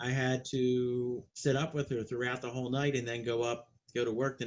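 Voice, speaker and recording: At a moderate pace, a man of medium pitch speaks in a plain, everyday voice. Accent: American. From New Jersey, US. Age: 50s. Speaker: insurance agent. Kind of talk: interview conversation.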